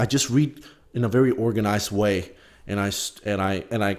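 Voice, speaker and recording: The speaker has a Bulgarian accent and ordinary pitch variation. The background is quiet. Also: man. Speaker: podcast host. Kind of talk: casual chat. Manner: animated. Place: home room. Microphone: studio mic.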